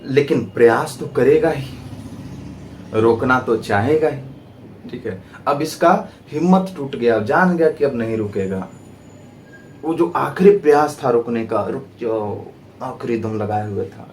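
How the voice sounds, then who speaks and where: A man teaches physics to exam students in a lively, theatrical way, acting out friction as if it were begging and often asking the class whether they follow. He sounds a bit distant from the mic, with a roomy echo and a faint hum behind him. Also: medium pitch, measured pace. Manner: dramatic, personifies friction pleading; asks students rhetorical checks. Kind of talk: exam-prep lecture.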